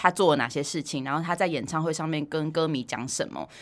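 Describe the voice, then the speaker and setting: Very fast, a woman speaks in a very deep, low voice. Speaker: podcaster, guest co-host. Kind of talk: casual chat.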